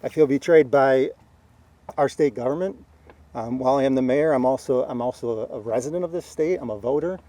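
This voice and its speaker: A man's voice: medium pitch, fairly quick, dark tone. A man speaking publicly as a mayor, making a statement. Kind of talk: public speech.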